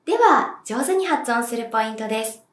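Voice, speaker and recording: A woman teaching as a language teacher, speaking clearly and deliberately and demonstrating sounds for viewers to repeat. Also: a little high, lively intonation. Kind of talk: slow, clear pronunciation lesson. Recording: echoey room.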